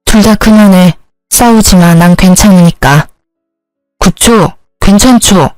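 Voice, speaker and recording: Storybook grandmother, meek and soothing, always apologizing, middle pitch, dry sound, as a woman reads her. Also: slow, a little mellow, no echo, faint music behind, close to an everyday voice, rough recording. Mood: apologetic. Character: meek elderly mother, apologetic and gentle.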